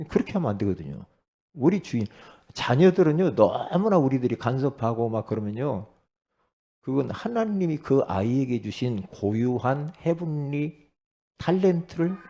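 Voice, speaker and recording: A middle-aged pastor with a mid-range voice preaches conversationally, swinging between loud bursts and hushed asides. He often asks the congregation to agree with him.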